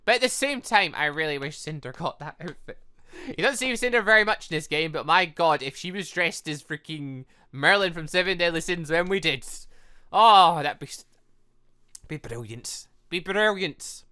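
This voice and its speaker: A gaming video host giving casual let's play commentary, chatty, rambling and excitable, thinking aloud as they go. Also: mid-range voice, moderate pace, clear, resonant tone.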